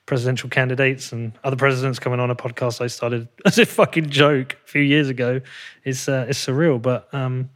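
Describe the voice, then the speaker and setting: A man's voice: mid-range voice, little pitch movement, a little fast, a bit bright. A man with a British accent hosting a podcast, chatting in a casual, blunt and informal way. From Britain. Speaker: podcast host. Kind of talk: casual interview chat.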